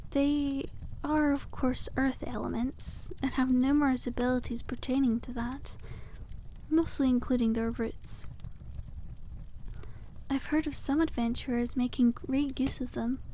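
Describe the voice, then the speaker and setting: Woman acting a high-voiced, sweet young witch shopkeeper. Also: steady tone, unhurried, mellow, slight background noise. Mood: enthusiastic, informative. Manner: sweet, whimsical, giggly, genteel storybook phrasing. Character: cute, cheerful young witch running a dragon egg shop. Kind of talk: ASMR roleplay.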